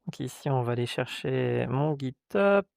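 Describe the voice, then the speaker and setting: Unhurried male tutorial host, hesitant, gravelly tone, dry recording. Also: mid-range voice, expressive, no room sound. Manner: hesitant, many "euh" fillers, reads out codes step by step; voices the software in playful mock dialogue. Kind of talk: screen-recorded tech tutorial.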